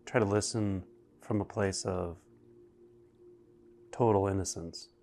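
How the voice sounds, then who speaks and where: A man guiding a meditation, speaking slowly and deliberately with long pauses between phrases. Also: deep voice, fairly even intonation, darkish tone, soft background music. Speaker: meditation guide. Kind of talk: guided meditation narration.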